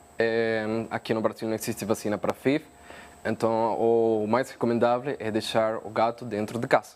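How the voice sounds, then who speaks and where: A man with a Venezuelan accent speaks at a medium pitch and a fairly slow pace. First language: Spanish (speaking Portuguese). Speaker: veterinarian. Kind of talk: TV interview.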